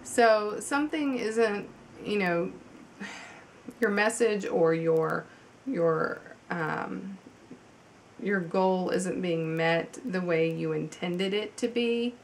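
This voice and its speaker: Woman with a cold, chatty and halting. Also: medium pitch, a little hiss or hum. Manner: chatty, halting with many ums and restarts. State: has a cold, slightly congested. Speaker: tarot reader. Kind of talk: casual video tarot reading. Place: at home.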